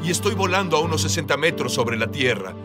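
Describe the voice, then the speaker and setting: A man's voice: fairly high pitch, expressive, fast. A man giving an earnest, emphatic testimony as a guest in a dubbed interview, recorded as a studio voice-over with music underneath. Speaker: guest telling of a vision.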